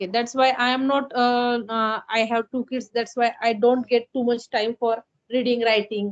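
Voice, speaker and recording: A woman talks at a moderate pace with hardly any pauses. Her high voice keeps a monotone, flat intonation. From India, Maharashtra. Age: 30s. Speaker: English learner, homemaker. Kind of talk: casual chat. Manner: halting, many fillers.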